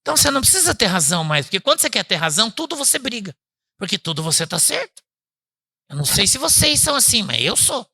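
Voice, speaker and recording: Bright-voiced male pastor preaching casually. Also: very animated, fast, creaky, breathy edge. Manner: chatty, asks the congregation "né?" and calls them "irmão"; swings from loud emphatic bursts to low quiet asides. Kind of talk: conversational sermon. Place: church service.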